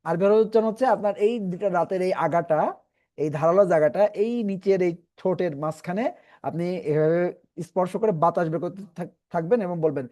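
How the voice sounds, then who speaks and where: Mellow-voiced man teaching letter sounds. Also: sits high. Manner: patient, repeats letter sounds slowly for students. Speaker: Quran reading teacher. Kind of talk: online class instruction.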